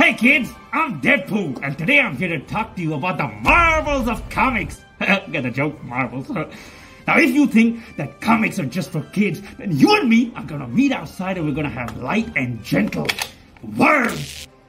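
Over clear music in the background, a put-on character voice at a middle pitch swings very widely in pitch at a moderate pace. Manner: sarcastic, jokey.

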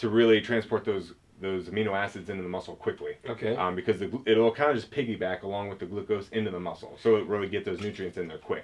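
A man speaks very fast at a fairly low pitch. He leaves hardly any pauses. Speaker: guest. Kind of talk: interview answer. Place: studio.

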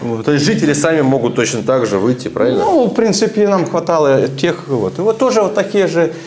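Amid noticeable background noise, a man with a fairly high pitch speaks at a moderate pace, making very wide pitch swings. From Russian Far East. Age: 70s. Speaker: homeowners' association chairman. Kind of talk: interview storytelling.

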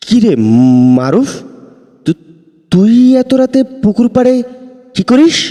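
A man puts on a shaky character voice at an extremely high pitch. He keeps a moderate pace with ordinary pitch variation.

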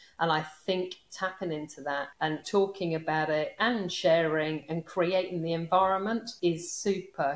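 With hardly any pauses, a woman speaks at a fairly slow pace and fairly low pitch with ordinary pitch variation, amid audible room echo and faint music in the background. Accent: British. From UK. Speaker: entrepreneur; podcast guest. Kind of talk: interview. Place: home room. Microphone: webcam.

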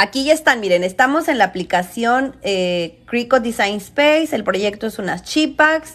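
A woman with a Mexican accent and a fairly high voice speaks fairly slowly with lively intonation. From Mexico. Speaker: crafting livestreamer. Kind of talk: tutorial livestream. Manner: casual, chatty. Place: home room. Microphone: phone near.

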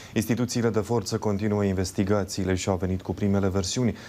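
A man's fairly low, dark, mellow voice at a very fast pace, with fairly even intonation. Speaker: news anchor. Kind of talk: news reading. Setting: studio. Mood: serious, measured. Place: studio.

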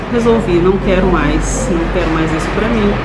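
Music plays behind a woman talking at a moderate pace. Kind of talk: interview answer. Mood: warm, smiling, nostalgic. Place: cafe. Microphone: camera far.

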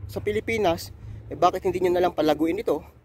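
A man is speaking. The sound is dry, with no echo. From Philippines. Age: 40s. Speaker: overseas Filipino worker vlogger. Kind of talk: casual monologue vlog. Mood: reflective, earnest advice. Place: open country. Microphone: phone near.

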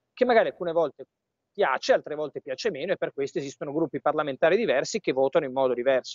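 A man talks at a very fast pace with ordinary pitch variation. The sound is dry with no echo, and the background is quiet. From Trieste, Italy; Italy. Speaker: European Parliament staffer; remote TV guest. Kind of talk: interview; interview answer. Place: office. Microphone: earbuds.

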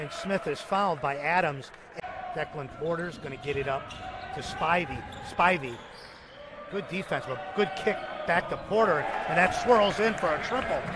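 Loud background noise surrounds a man's high-pitched voice, recorded dry with no echo and broken by long, frequent pauses. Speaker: basketball play-by-play announcer. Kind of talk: rapid-fire college basketball play-by-play commentary. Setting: courtside in a gymnasium. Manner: bursts of excitement on made shots. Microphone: headset.

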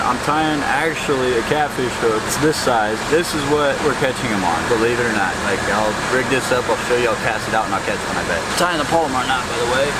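Loud background noise surrounds a man talking fairly quickly with hardly any pauses. His pitch variation is ordinary. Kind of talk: tutorial. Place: waterside. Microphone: phone near.

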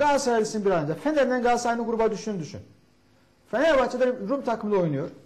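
Extremely high for a man, this voice races at a very fast pace with lively intonation. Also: quiet background. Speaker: football commentator. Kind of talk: sports panel discussion. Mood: argumentative, passionate. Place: studio. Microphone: lapel.

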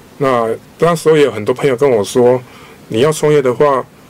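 Speaking at a fairly quick pace, the male talker shows ordinary pitch variation. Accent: Taiwanese. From Taiwan. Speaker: spa business manager. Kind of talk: radio interview. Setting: radio studio. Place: studio.

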